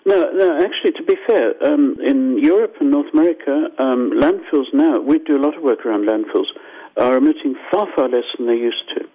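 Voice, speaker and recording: An older man from Zimbabwe, a scientist guest explaining things thoughtfully in a radio interview, with restarts and lively asides. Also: mid-range voice, fairly quick, breathy edge. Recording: dull lo-fi phone line.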